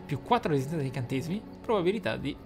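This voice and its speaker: A man's voice: on the high side, expressive, rapid-fire. Theatrical man commentating a game over music. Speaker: gaming YouTuber, player. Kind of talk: game playthrough commentary with role-play musing.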